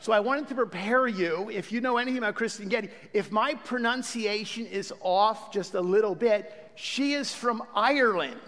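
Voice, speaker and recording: In a church sanctuary with the hall's reverb around him, a male pastor welcomes his congregation and leads a prayer to open the sermon. His voice is high and his speed normal, with hardly any pauses, and his warm address is dotted with fillers and restarts.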